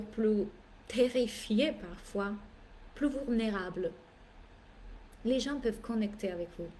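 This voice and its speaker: Animated woman coach, mellow voice. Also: on the high side, slight background noise. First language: not French. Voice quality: animated, playful, theatrical asides. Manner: emphatic, repeats phrases for effect. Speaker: business coach. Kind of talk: live masterclass talk.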